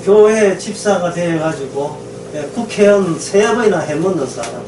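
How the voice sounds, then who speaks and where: A woman's voice: fairly low pitch, lively intonation, normal speed, background noise. A woman preaching a sermon, emphatic and full of rhetorical questions, often prodding listeners for agreement. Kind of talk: sermon lecture. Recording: echoey room from a distance, faint ambience.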